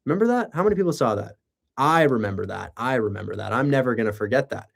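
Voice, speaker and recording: A man's voice: mid-range voice, lively intonation, fast talker, vocal fry. A man chatting casually on a livestream, rambling with sarcastic asides and rhetorical questions. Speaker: live streamer and real estate wholesaler.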